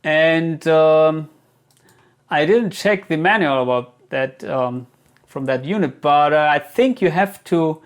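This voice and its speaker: A man giving a casual gear Q&A as a reviewer, speaking haltingly as he thinks aloud. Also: on the high side, expressive, smooth. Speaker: guitar gear reviewer answering viewer questions. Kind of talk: casual product Q&A talk.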